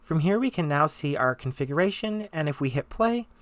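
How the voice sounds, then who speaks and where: A presenter giving step-by-step software tutorial narration in an instructional, conversational manner. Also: mid-range voice, lively intonation, fairly quick, dry recording.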